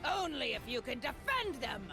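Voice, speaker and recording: An actress playing a harsh, scornful rival tribal warrior with a husky, creaky voice in a fantasy game. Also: female voice, high voice, very animated, moderate pace, pushed and bright, soft background music, heavily acted. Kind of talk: dramatic fantasy game voice lines.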